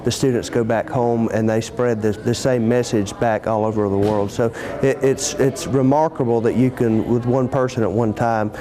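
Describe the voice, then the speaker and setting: A man's voice: mid-range voice, fairly even intonation, normal speed, hardly any pauses, crowd noise. A man giving a thoughtful interview testimonial, restarting phrases as he goes. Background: music.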